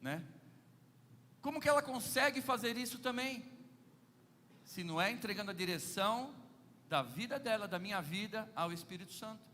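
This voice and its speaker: Middle-aged Brazilian pastor, very high bright voice, playful preacher, long church reverb. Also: male voice, expressive, fairly quick, a little hiss or hum. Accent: Brazilian Portuguese. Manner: playful anecdotal preaching, often addressing the congregation. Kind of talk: sermon.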